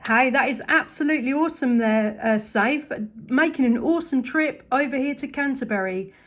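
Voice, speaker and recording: Female CB operator, high voice, casual and chatty radio contact from a home station. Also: normal speed, a bit bright. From United Kingdom. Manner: upbeat, chatty, appreciative.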